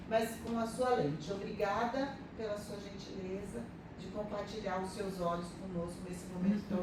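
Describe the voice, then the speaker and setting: A woman in a group meeting, thanking the guest warmly and speaking to her directly. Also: a little high. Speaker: reading circle participant. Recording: echoey room from far off, noisy.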